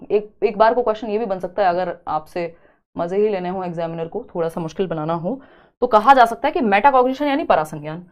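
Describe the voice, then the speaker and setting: A woman teacher with an Indian English accent, giving an online exam-prep lecture. She explains step by step, often checks with the class, and reads English questions slowly before explaining them in Hindi. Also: fairly high pitch.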